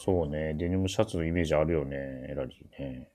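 A man's voice: rumbling low, quick pace, warm tone. A man hosting a casual radio chat, politely prompting his guests and often chiming in with short agreeing responses. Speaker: radio show host.

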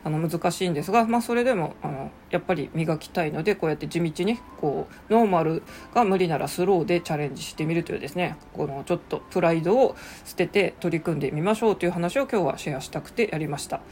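A chatty woman, an English teacher, talking alone on her show, with frequent fillers and side comments. Her voice sits fairly low for a woman. A faint hiss of noise runs underneath. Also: lively intonation, fast, hardly any pauses, darkish tone. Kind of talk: casual solo talk.

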